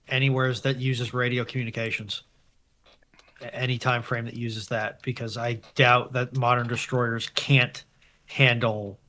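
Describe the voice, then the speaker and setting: Guy on a panel stream, bright forceful voice, kinda halting, working it out as he talks. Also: medium pitch. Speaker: panellist on live discussion stream. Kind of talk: casual speculative discussion.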